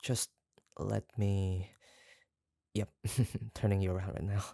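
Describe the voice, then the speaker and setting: An actor playing an obsessive, doting yandere kidnapper in a roleplay audio drama, halting and coaxing, tender yet menacing. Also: sits low, flat delivery, creaky, mellow, no echo, studio quality, exaggerated voice. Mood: eager, sheepish. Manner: halting, gushing, coaxing, with nervous stammers. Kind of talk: roleplay audio drama, intimate one-sided monologue.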